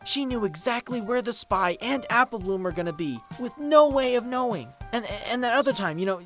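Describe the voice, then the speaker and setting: A woman's voice: fairly high pitch, animated, fairly quick, fairly bright tone, faint music behind. A woman voicing a bookish young female unicorn pony in a parody cartoon, earnest, stammering and exasperated. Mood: flustered, defensive. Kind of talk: abridged parody cartoon dubbing.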